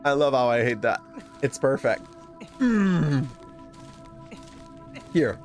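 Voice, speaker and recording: Brief: Quebec-accented male streamer, animated rising-falling delivery, game music underneath. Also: mid-range voice, slow. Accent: Québécois French. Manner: chatty, rambling, often restarts words. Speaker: gaming streamer. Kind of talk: casual gameplay commentary.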